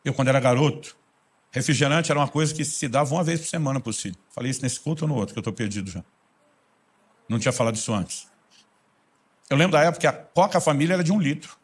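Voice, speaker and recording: A man's voice: medium pitch, lively intonation, fast talker, husky. A man with a Brazilian Portuguese accent, preaching a sermon as a pastor and telling stories fervently.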